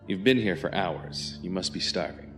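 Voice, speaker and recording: An actor playing a calm villain in an audio drama, unhurried and falsely courteous with quiet menace. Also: male voice, low-pitched, music in the background. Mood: smooth menace. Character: calm, soft-threatening male villain holding captives.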